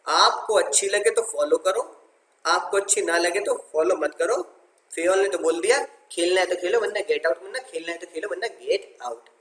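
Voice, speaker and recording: Animated high-voiced male teacher, echoey room. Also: moderate pace. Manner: animated, playful, repeats phrases and calls students "munna". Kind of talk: energetic classroom lecture. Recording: roomy echo.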